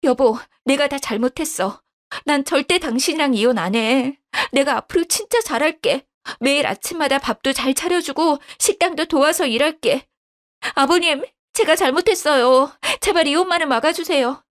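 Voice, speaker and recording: A woman playing a shrill, whiny young wife. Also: normal speed, lightly acted. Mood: pleading. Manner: whiny, begging. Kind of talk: storytelling radio drama.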